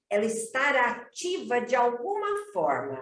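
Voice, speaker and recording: A woman's high voice swings very widely in pitch, with audible room echo around it. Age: 70s. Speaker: panelist. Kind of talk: panel discussion.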